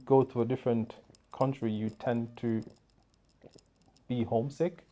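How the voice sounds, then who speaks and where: A man's voice: mid-range voice, steady tone, unhurried, warm tone, lo-fi sound. A man from Jamaica co-hosting a podcast, talking in a laid-back way and often checking in with "right?". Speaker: podcast co-host. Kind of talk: casual chat. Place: indoor podcast studio.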